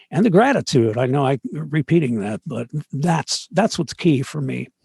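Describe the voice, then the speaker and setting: With an American accent, a man speaks at a moderate pace in a fairly high, somewhat breathy voice with a dark, mellow tone and very wide pitch swings, the sound dry and close with no echo. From US Northeast, Rust Belt. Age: 70s. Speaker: radio and voice-over veteran, podcast host. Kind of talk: interview conversation. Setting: podcast interview.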